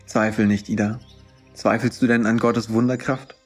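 A man's voice: on the low side, level tone, moderate pace, natural voice. A man playing a youthful preacher in a German audio drama, speaking with solemn, intense and persuasive conviction. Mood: fervent, assuring. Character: fervent youthful boy preacher, gentle and persuasive. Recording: music under the voice.

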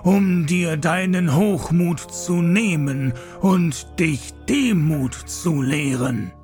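An actor playing a stern, paternal old Catholic priest in a radio play, speaking solemnly and in an admonishing way. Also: male voice, on the high side, extremely slow, darkish tone, faint music behind. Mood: indignant. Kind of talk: German radio play acting.

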